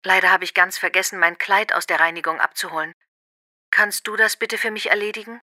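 Very bright sharp voice, actress as affectionate woman leaving her partner a voicemail, clear diction, dry sound. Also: medium pitch, steady tone, fairly quick, no room sound. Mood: affectionate, asking. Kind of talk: acted voicemail message for a listening exercise.

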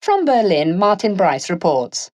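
A woman's voice: medium pitch, very animated, measured pace, darkish tone. A woman playing a polished radio news announcer, reading a scripted introduction in a composed manner. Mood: composed, informative. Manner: clear, composed newsreading.

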